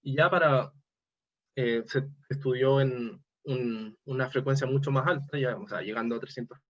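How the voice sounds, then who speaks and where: Halting man presenting, dull lo-fi sound. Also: medium pitch. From Chile. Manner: halting, self-correcting, hesitant delivery. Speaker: academic presenter. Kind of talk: technical conference presentation over slides.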